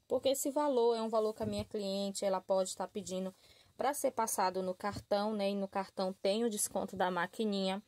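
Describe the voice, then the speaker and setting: A woman's voice: mid-range voice, steady tone, fairly quick, no room sound. A Brazilian woman hosting a crochet channel, talking casually to viewers in a chatty, friendly way with constant "tá?" and "né?" tags. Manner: chatty, warm-hearted, addresses viewers as "gente", frequent "tá?" and "né?" tags. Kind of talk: casual tutorial talk to viewers. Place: small room at a work table. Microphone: camera filming her hands and table from above.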